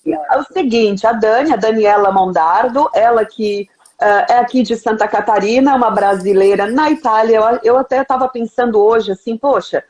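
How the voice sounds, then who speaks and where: A woman hosts an online interview show live over a remote video call, speaking informally with a southern Brazilian accent, chatting and laughing often. Her voice is on the high side, a little mellow, at a moderate pace, and the recording is rough.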